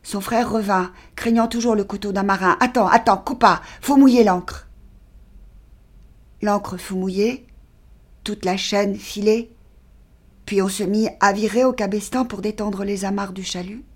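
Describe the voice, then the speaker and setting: A woman gives a dramatic literary reading of a short story, keeping a measured pace and dropping to almost a whisper during the grim passages. Her voice is mid-range with fairly even intonation.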